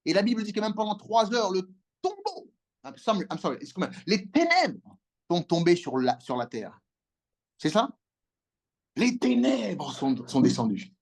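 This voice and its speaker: Passionate preacher on a video call, wide-ranging pitch, drives call-and-response. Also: sing-song, moderate pace, husky. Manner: emphatic call-and-response preaching, asking for amens. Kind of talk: impassioned sermon over a video call.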